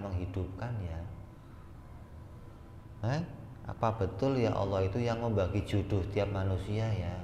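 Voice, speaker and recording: Guy giving a religious lecture, slow, keeps asking the crowd questions, big roomy hall sound. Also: medium pitch. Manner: conversational, fires rhetorical questions at listeners; chants lists of terms in a steady cadence. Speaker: religious teacher. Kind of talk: Islamic study lecture. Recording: echoey hall with faint background noise.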